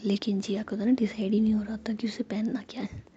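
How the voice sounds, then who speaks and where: A woman narrating a story in a soft, conversational whisper. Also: mid-range voice, level tone, quick pace, breathy edge. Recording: dull lo-fi with faint hiss.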